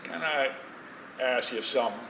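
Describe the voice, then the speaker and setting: An actor playing a regretful elderly Jewish man in a stage play, pleading and wistful in halting speech. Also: mid-range voice, vocal fry, natural voice. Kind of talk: stage play acting, dramatic dialogue. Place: stage in a theatre, distant microphone. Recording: echoey, noisy theatre recording from far off.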